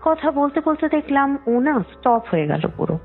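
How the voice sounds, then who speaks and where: A woman's voice: high voice, sing-song, moderate pace. A young woman caller telling a story in a chatty, rambling way, often trailing off mid-sentence. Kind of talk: casual storytelling on a call. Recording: tinny phone line with faint music.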